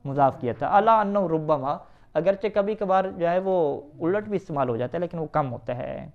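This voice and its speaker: Male grammar teacher, high clear voice, runs a question-and-answer lesson, reads Arabic quickly, muffled lo-fi recording. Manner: asks students questions and answers them himself; reads Arabic quickly, then explains in Urdu. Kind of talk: classroom lesson reading and explaining an Arabic text. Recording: dull, lo-fi recording.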